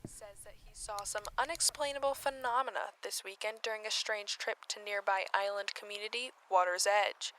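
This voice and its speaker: Composed woman news anchor played by an actress for radio drama, measured formal delivery, crisp bright edge. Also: medium pitch, steady tone, a little hiss or hum, close to an everyday voice, rough recording. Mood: formal, neutral. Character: composed female TV news reporter, brisk and formal. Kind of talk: scripted news report in audio drama.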